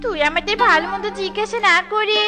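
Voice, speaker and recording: A woman's voice: very high-pitched, fast talker, over music. A woman voicing a sassy, whiny young married duck daughter in a comedy cartoon, indignant in her talk. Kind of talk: Bengali comedy cartoon dialogue.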